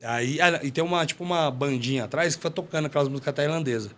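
A man, a former fighter, telling a story in casual chat, slangy and animated, acting out what others said. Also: on the high side, quick pace, slight background noise. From Brazil. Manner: animated, slangy, acts out quoted dialogue. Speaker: podcast guest, former MMA fighter.

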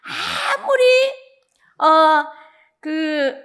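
Woman evangelist from Gyeongsang, high-pitched, lively storytelling preacher. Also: drawn-out words. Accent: Gyeongsang Korean. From Gyeongsang region, South Korea. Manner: animated storytelling, acting out quoted lines. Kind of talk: dawn service sermon.

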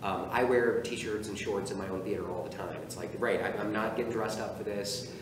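A man's voice: on the low side, fairly quick. A man, a theater director, chatting casually in an interview and gesturing as he talks. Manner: animated, talks with his hands, many restarts. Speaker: theater artistic director, guest. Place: theater stage. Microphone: far camera. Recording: echoey stage from far off with noise.

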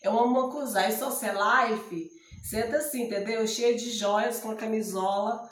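Hoarse lady w/ ceará accent, high voice, joking around on her phone cam, echoey little room. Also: steady tone, a little slow. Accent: northeastern Brazilian, Ceará. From Ceará, northeast Brazil. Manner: joking, chatty, laughs often. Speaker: vlogger. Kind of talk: casual chat to camera. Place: small room indoors at home.

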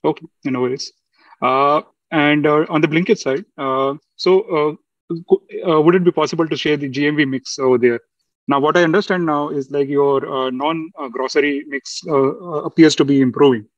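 A man speaking as a financial analyst, asking halting questions on an earnings call over a conference line. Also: on the high side, no room sound. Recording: dull, slightly distant conference line.

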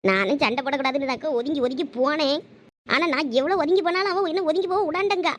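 A woman's voice: high voice, fast talker, a little hiss or hum, close to an everyday voice. A woman with a Thoothukudi Tamil accent playing a resentful village mother who complains in a tearful way. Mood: aggrieved. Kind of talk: village drama acting.

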